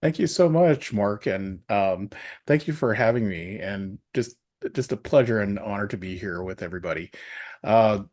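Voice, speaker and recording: A man's voice: lowish voice, moderate pace, a little mellow, no room sound. A man in his fifties from China, a guest speaker introducing himself hesitantly with many fillers. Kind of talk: self-introduction in an online talk.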